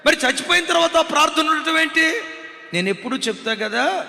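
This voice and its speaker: A man's voice: extremely high pitch, expressive, brisk, vocal fry, pushed and bright, echoey room, long reverb tail. A man preaching a sermon as pastor, with impassioned delivery and frequent rhetorical questions to the listeners.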